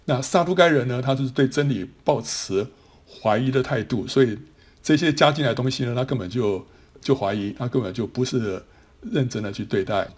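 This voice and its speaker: A man lectures on scripture in a husky, mid-pitched voice. He explains things step by step, often trailing his sentences off with soft particles and restarting words. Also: brisk. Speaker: Bible teacher. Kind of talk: classroom Bible lecture.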